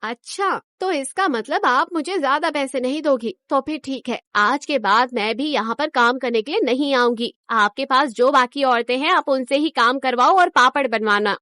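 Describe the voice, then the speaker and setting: A woman's voice: sits high, moderate pace, hardly any pauses, sharp tone, dry recording. A woman voicing a proud, greedy village woman in a cartoon story, who talks in a boastful, indignant way. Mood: demanding.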